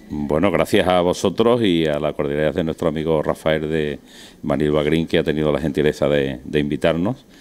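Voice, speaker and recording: A man's very deep, low voice at a moderate pace, with very even loudness, ordinary pitch variation and faint music in the background. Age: 50s. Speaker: businessman and brotherhood president; interviewee. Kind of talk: interview. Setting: dinner event. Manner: halting. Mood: warm, festive. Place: bar. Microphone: handheld.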